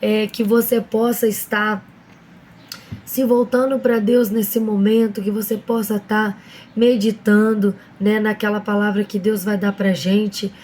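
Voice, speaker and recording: A hoarse woman hosting a casual devotional talk, addressing viewers directly with frequent fillers and reading Bible verses slowly and deliberately. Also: medium pitch, little pitch movement, a little mellow, a little hiss or hum. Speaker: online devotional host.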